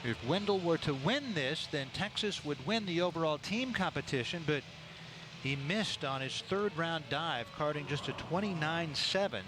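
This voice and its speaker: A man doing live play-by-play sports commentary in a factual announcer's delivery, setting out standings and scores. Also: a little high. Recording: noisy indoor sports venue ambience. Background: venue noise.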